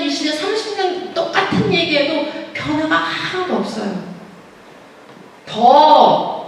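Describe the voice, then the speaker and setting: A woman's voice: a little high, slight background noise. A woman speaking as a guest pastoral counselor at a church lecture, chatty, acting out quoted voices and asking the audience questions. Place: large church sanctuary. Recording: echoey hall, voice from a distance.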